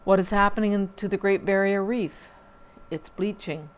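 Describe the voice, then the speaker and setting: A woman reading local newspaper items aloud at a measured pace, with small slips and dry asides. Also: medium pitch, fairly even intonation.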